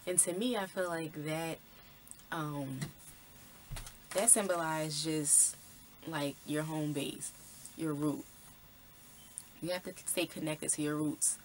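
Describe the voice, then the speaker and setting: A woman vlogger talks through a film's symbolism in a loose, conversational way, full of ums and likes. Her voice is low-pitched. A faint noise runs behind her. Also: fairly even intonation, slow, long pauses. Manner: conversational, many fillers like "um" and "like". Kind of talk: casual film commentary.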